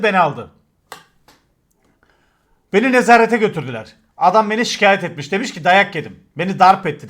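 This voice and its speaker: A man, telling crude football stories to his stream chat in a casual, animated way, swearing and acting out shouts. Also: high-pitched.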